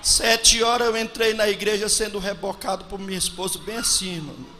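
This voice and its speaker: Man, 40s, from Brazil, preacher at a pulpit, hushed storytelling turning to shouted praise, long church-hall echo. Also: high voice, fairly even intonation, brisk. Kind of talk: Pentecostal sermon with testimony. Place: large church hall with congregation. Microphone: handheld microphone at a pulpit. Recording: long church-hall reverb, faint noise.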